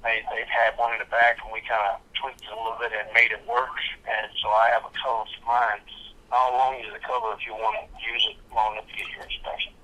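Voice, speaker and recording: A man, the host's father, calling in on speakerphone and chatting casually in a folksy, unhurried way. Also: on the low side, little pitch movement, bright, forceful tone, low-quality recording. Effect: heard over a phone on speakerphone. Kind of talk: casual phone chat. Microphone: phone speaker held near the host's mic.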